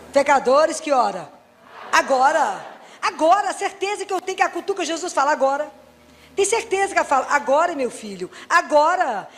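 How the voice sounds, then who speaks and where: A woman's voice: high-pitched, a bit bright. A middle-aged woman from Brazil, a doctor giving a faith talk full of personal stories, chatting with her listeners and acting out the dialogue. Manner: conversational, storytelling, acts out dialogue, humorous asides. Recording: reverberant hall.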